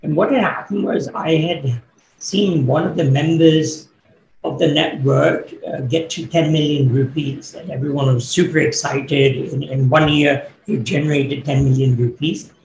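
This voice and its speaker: A middle-aged man, born in Kenya and raised in the UK, answering interview questions as a business coach in a thoughtful, measured way with fillers. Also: on the high side, fairly even intonation, vocal fry, darkish tone. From born in Kenya, grew up in the UK. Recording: echoey room, faint background noise.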